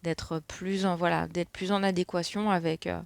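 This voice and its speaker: A woman's voice: on the low side, flat delivery, normal speed, gravelly, dry recording. A middle-aged woman giving a casual spoken card reading, rambling with many fillers. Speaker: tarot card reader.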